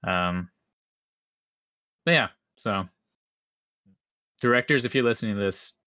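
A man's voice: fairly low pitch, a little slow, bright, forceful tone, clear, resonant tone, dry recording, clean studio sound. A young man podcast co-host chatting casually in an enthusiastic, rambling, slangy way. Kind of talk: casual chat.

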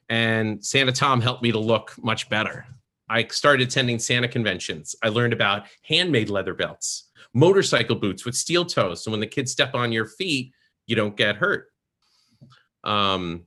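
Middle-aged man, bright forceful tone, animated storyteller, podcast guest. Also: medium pitch. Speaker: guest, professional Santa performer.

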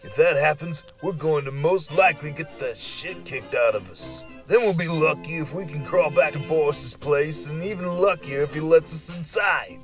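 An exasperated, cautious man, played by an actor in an audio drama. He nags wearily and swears casually in a slightly high voice. Music plays clearly behind him. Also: normal speed, hardly any pauses, close to an everyday voice. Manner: weary, nagging, casual swearing. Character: exasperated, cautious man scolding his drunk friend. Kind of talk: audio fiction acting.

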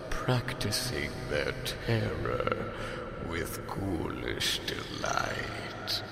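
A man playing a sinister, theatrical ghost host who is slow, gloating and mock-courteous, with a gravelly voice. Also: fairly low pitch, full character voice. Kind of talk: audio drama acting. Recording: cavernous reverb with ambient noise.

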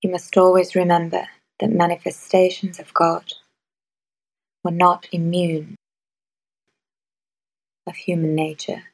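Slow, soft-spoken woman guiding meditation. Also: fairly low pitch, flat delivery, rough recording. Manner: soft, slow, measured with long pauses. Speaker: meditation guide. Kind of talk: guided meditation.

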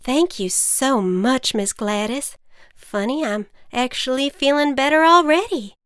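A woman voicing a polite, gentle farm wife who has fallen ill, in a children's storybook. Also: high-pitched, animated, measured pace, dry recording, clean studio sound, pitched above the performer's own voice.

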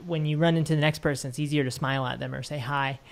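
Thoughtful man hosting a relaxed chat. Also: on the high side, fast talker, creaky. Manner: thoughtful, reflective, with frequent restarts. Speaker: podcast host. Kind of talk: casual conversation.

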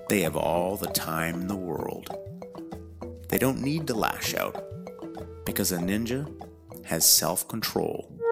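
A man with a very low, creaky voice leads a calm grounding exercise for children. He speaks to them directly and gently, in an instructive way, with music playing underneath. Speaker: narrator guiding a children's mindfulness exercise.

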